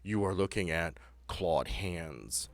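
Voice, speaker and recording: A man narrating and refereeing a tabletop game as game master, with deliberate, dramatic storytelling. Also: low voice, no room sound. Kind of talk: improvised game narration and rules talk.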